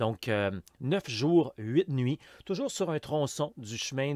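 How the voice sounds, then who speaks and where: Recorded very cleanly with a silent background and a dry, close sound with no echo, a man with a Quebec accent speaks at a medium pitch with very wide pitch swings. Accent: Québécois. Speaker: hiking podcast host, journalist and speaker. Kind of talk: casual interview show intro. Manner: hesitant with frequent fillers.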